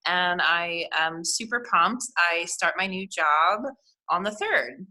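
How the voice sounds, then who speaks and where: Bright-voiced chatty woman panelist. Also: lowish voice, takes it slowly. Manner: chatty, enthusiastic, many fillers. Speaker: panelist, program graduate. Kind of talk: casual chat on a video call. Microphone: video call.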